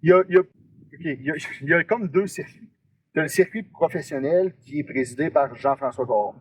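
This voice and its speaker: Jeune homme québécois bavard, voix un peu aiguë. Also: male voice, a little high, a little fast, slight background noise, low-quality recording. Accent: Québécois French. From Quebec, Canada. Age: 20s. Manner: chatty, rambling, many "là" tags. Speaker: amateur strongman athlete. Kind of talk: casual interview answers.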